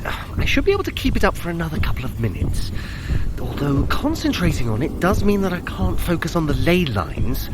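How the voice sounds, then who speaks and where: A sardonic male trickster god, teasing and theatrical, really animated pitch, audio drama with noisy outdoor background. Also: a little fast. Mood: wry. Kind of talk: scripted audio drama acting.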